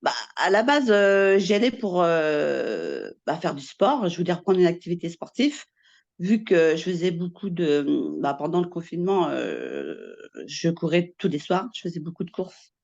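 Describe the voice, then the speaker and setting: A woman in her fifties, from Portugal, shares her coaching story in a relaxed interview. Her voice has a gravelly edge, and she stops and restarts her sentences often. The recording sounds dull and lo-fi. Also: fairly low pitch, moderate pace. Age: 50s. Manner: hesitant, many fillers and restarts, laughs easily. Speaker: coaching client giving a testimonial. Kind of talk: casual interview testimonial.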